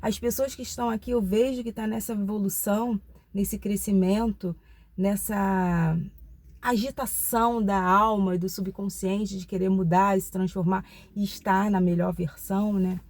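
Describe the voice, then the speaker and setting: Speaking at normal speed with a steady, slightly mellow medium-pitched voice, a Brazilian woman in her 40s hosts her channel in a dry recording. Her vlog talk is casual and personal, reflective and confiding toward viewers, with frequent tag questions and a Brazilian Portuguese accent.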